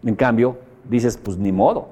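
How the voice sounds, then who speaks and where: A man's voice: medium pitch, unhurried, warm tone, breathy edge. A man with a Mexican accent giving a motivational seminar talk to a group. He speaks colloquially and emphatically, repeats phrases for effect and puts questions to his audience.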